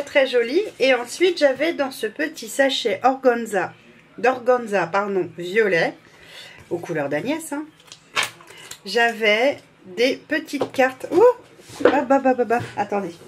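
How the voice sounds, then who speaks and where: A woman's voice: a little high, animated, slow, long pauses, slight background noise. A woman vlogger in casual, gushing chat, fumbling and apologizing as she reads out names. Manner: fumbles and restarts while reading labels.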